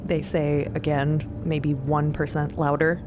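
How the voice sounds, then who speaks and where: A woman's voice: sits low, flat delivery, a little slow, background noise. A woman giving composed, descriptive scripted narration in a dramatic story style. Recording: loud music bed behind the voice.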